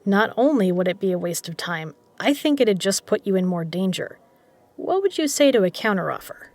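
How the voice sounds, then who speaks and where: A woman playing a shrewd poker legend who runs an underground casino, speaking in a measured, persuasive way in a scripted audio drama. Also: medium pitch, big pitch swings, a little mellow. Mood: frank.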